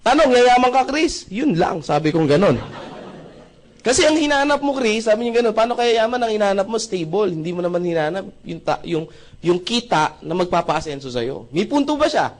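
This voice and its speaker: A man speaking at a seminar, telling a lively story. He acts out dialogue and often checks whether the audience agrees. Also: fairly quick. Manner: animated, with jumps in pitch and loudness. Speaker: seminar speaker sharing his testimony. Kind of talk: motivational storytelling talk.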